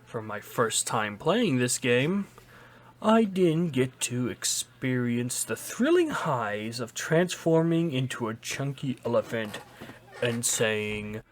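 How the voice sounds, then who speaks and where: Slow, theatrical man doing a dramatic reading. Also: medium pitch, very animated. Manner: mock-serious, exaggerated dramatic delivery with drawn-out pauses. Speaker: video host reading an article aloud.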